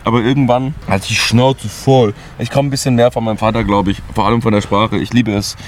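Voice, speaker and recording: A man's voice: on the low side, steady tone, fast talker, slight background noise. A man from the Black Forest in rowdy podcast banter, making crude jokes and laughing a lot, recorded outdoors behind a van. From Black Forest, Germany. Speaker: band member guest.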